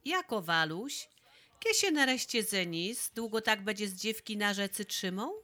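A woman voicing a nosy old matchmaking village woman with a Podhale highland accent, nagging and scolding. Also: animated, normal speed, bright, forceful tone.

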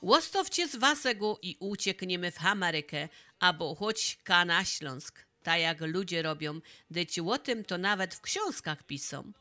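A woman voicing a nosy old matchmaking village woman with a Podhale highland accent, nagging and scolding. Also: lively intonation, unhurried, sharp tone, soft background music.

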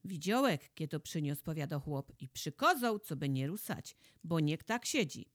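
A woman with a Podhale highlander accent voicing a cautious, grumbling old peasant husband in a folk tale. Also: very animated, normal speed, dry recording, studio quality. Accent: Polish highlander (Podhale).

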